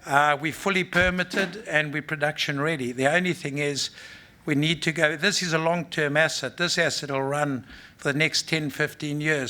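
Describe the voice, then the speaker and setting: A man's voice: a little high, pushed and bright. A man with a South African accent, a mining company executive giving an unscripted conference presentation in a blunt, matter-of-fact way, full of fillers and restarts. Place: conference stage.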